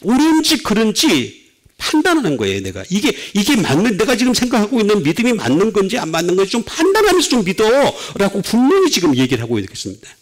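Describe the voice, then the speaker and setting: A middle-aged male pastor preaching a sermon, with sudden swings between loud and soft. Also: high voice, huge pitch swings, fast.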